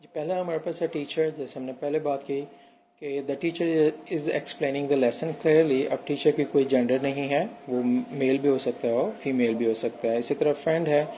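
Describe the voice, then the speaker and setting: Mellow-voiced male teacher explaining grammar. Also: on the high side, steady tone, a little hiss or hum, rough recording. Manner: explains step by step, mixing in English examples. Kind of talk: recorded classroom lecture.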